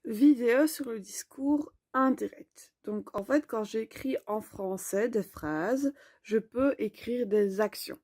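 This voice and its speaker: A woman teaching a grammar lesson in a slow, clear, explanatory way. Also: on the high side, mellow, dry recording, clean studio sound.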